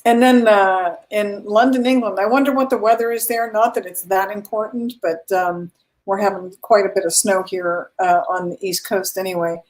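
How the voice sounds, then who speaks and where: A woman's voice: mid-range voice, steady tone, normal speed, darkish tone, poor audio. A woman hosting a live online event, chatting casually and greeting viewers.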